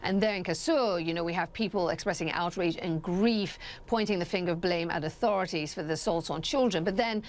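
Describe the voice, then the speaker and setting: A woman's voice: fairly low pitch, brisk, hardly any pauses. A woman anchoring a news broadcast who introduces a guest and asks poised, probing questions. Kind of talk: news interview.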